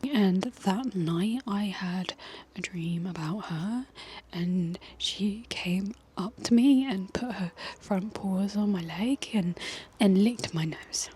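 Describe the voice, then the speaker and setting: A woman whispering softly and tenderly as she talks to her viewers, recorded outdoors in a garden. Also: mid-range voice. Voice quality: soft unvoiced whisper. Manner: gentle, tender, reflective. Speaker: video creator. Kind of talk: whispered ASMR-style personal talk. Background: faint outdoor ambience with bees.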